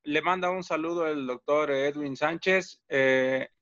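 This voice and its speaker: A man's voice: on the high side, unhurried, a bit bright, no room sound. A man moderating a session, courteously relaying audience questions to the speaker. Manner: courteous, deferential. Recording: dry, muffled line.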